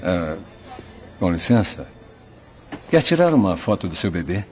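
A Brazilian man dubbing a kindly, earnest photographer who gently gives advice in a film. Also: low voice, big pitch swings, a little slow, soft background music. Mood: friendly, curious. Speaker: dubbing actor. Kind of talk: Brazilian Portuguese film dub.

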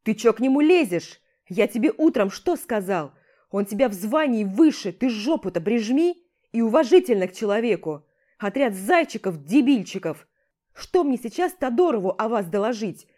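Woman playing a yelling army commander. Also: a little high, big pitch swings, normal speed. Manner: barking orders, yelling. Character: gruff male army commander, furious and sarcastic.

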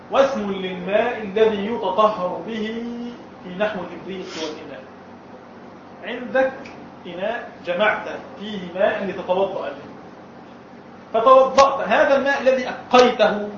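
Lecturer, male, higher pitch, recorded far off with a muffled sound. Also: a bit bright, a little hiss or hum. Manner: asks students questions and answers them himself. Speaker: Islamic law teacher. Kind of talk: classroom lesson. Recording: echoey room, far from the mic, dull and muffled.

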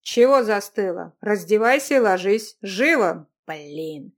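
A woman voicing a brash, headstrong young man who speaks loudly and commandingly. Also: medium pitch, expressive, unhurried. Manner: loud, commanding, cocky.

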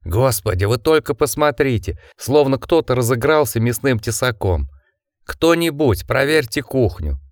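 A man voicing a terrified, oddly excited man calling out frantically over an intercom. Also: medium pitch, normal speed, no echo, clean studio sound. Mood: horrified.

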